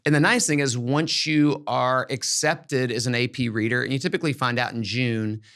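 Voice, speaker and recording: A middle-aged American man talks as a podcast host to fellow educators. His delivery is conversational and upbeat, and he leans on key points for emphasis. His voice sits at an average pitch for a man. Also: steady tone, normal speed, fairly bright tone, clean tone. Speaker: podcast host, former school principal.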